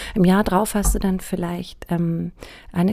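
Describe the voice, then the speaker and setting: Using a plain, everyday voice, a woman speaks at a fairly quick pace, fairly low in pitch with fairly even intonation. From Bavaria. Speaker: novelist and podcast co-host. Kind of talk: casual chat.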